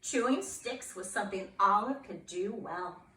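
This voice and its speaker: A woman reading a children's picture book aloud in a playful, expressive way, asking her young listeners questions. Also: medium pitch, unhurried, echoey room, far from the mic.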